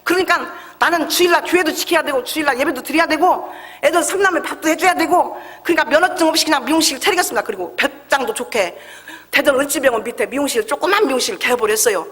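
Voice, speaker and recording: Fast, bright-voiced woman preacher in echoey hall. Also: sits high. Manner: emotional storytelling, acting out dialogue. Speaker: pastor. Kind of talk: testimony sermon. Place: church sanctuary.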